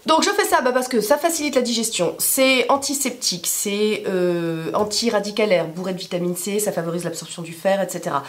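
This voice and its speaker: A woman with a hoarse smoker's rasp being sick, chatting casually to camera in a rambling, self-deprecating way full of asides. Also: mid-range voice, a little fast, hardly any pauses. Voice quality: raspy smoker's rasp from illness. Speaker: YouTube vlogger.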